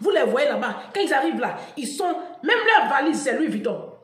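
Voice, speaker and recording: Against a quiet background with audible room echo, a high-pitched woman speaks at a fairly quick pace, her pitch swinging very widely. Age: 40s. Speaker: vlogger. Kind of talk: vlog monologue. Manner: animated. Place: home room. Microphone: phone near.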